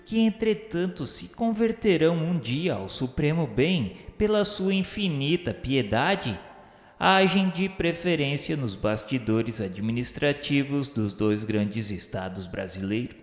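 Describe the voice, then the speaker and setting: A man's voice: mid-range voice, expressive, a little slow. A man with a Brazilian accent reading scripted, literary radio narration in a solemn, grandiloquent, formal manner. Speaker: narrator of a religious radio novela. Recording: echoey hall-like reverb, music underneath. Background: music.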